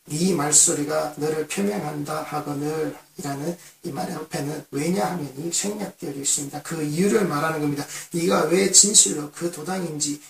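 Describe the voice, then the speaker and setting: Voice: medium pitch, vocal fry. A pastor giving an impassioned sermon in a church, building phrases through repetition toward emphatic peaks. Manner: fervent, repetitive preaching cadence with rising emphatic peaks. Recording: roomy, distant from the mic.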